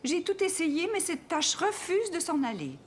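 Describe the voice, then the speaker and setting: An actress playing a kindly, doting older grandmother in a children's cartoon, expressive and reassuring. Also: extremely high pitch, normal speed. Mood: soothing. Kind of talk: French-language children's cartoon dialogue.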